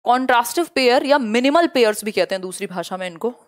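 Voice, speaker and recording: A young woman with a fairly high, expressive voice teaches English pedagogy online in real time, mixing Hindi with English. Definitions are read slowly, and she regularly checks that the class is following along.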